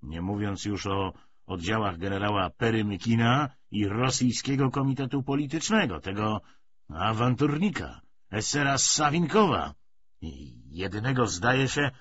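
Man voicing persuasive chain-smoking Bolshevik official, audiobook, lively intonation, rhetorical pauses, dull lo-fi sound. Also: on the low side. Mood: confiding. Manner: emphatic, hesitating, rhetorical. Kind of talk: dramatised audiobook dialogue. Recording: dull lo-fi audio, faint noise.

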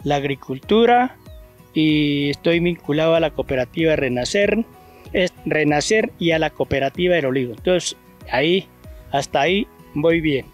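Brief: Boyacá farmer, 50s, slow plain answers, handheld mic outdoors. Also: male voice, on the high side, expressive, faint music behind. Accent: Colombian, Boyacá. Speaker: farmer guest. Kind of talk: interview answers. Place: outdoors in a farm field.

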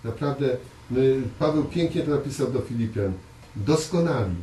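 A man preaching a conversational sermon to a small congregation, earnest, often repeating words and pausing on fillers. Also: medium pitch, mellow. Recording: echoey room, voice from far off, faint hiss.

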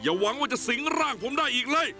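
A man dubbing a Thai TV drama, playing an indignant young man who loudly accuses a ghost of tricking him. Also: very high voice, very animated, fast, faint music behind, exaggerated voice. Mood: furious. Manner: loud, accusing, stubborn.

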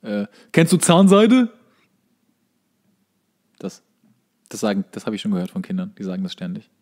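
A man's voice: lowish voice, sing-song, moderate pace, darkish tone. A man co-hosting a podcast in casual comedic banter, talking in a joking, rambling way. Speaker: podcast co-host.

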